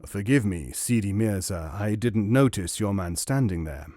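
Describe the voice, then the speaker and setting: A man's voice: lowish voice, animated, moderate pace, dark tone, no echo, studio quality. A man voicing a proud young male Arab prince who speaks formally and insistently.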